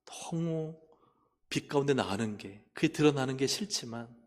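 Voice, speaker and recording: A male pastor preaching a sermon, telling a personal story, asking rhetorical questions and getting loud and animated as he retells it. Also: mid-range voice, a little fast. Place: church sanctuary. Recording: long church hall reverb.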